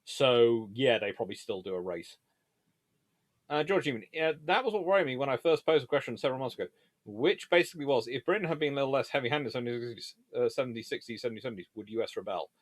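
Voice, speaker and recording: With lively intonation and a fast delivery, a mid-range male voice answers viewer questions on naval history in a relaxed live Q&A. He rambles discursively and often stops to correct himself, and the recording has no echo.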